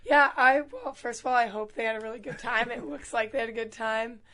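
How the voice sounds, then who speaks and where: A hoarse young woman, a student athlete and team captain, chatting casually in an interview with frequent laughs and fillers. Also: on the high side, steady tone, brisk, sharp tone. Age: young adult. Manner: upbeat, laughs often, many fillers.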